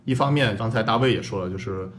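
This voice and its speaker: A man's voice: lowish voice, fast talker, a little hiss or hum. A man hosting a tech podcast in casual chat, laying out his argument point by point. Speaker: podcast host.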